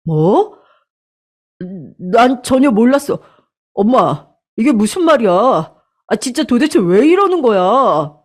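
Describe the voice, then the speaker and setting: A woman's voice: fairly high pitch, very animated, slow pace, darkish tone, pitched above the performer's own voice, heavily acted. A woman voicing a bewildered young husband who asks in confusion in a storybook drama. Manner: confused, pleading.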